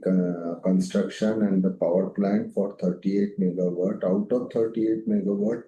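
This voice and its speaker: A man with an Indian accent answering as a company executive on a business call, emphatic and repetitive. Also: on the low side. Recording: echoey room, faint background noise.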